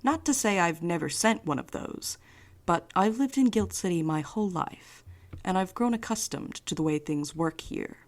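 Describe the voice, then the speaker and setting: A woman playing a wry, defiant night courier in an audio drama, with a dry, deadpan manner. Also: lowish voice, moderate pace. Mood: measured, uneasy. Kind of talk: audio drama acting and narration.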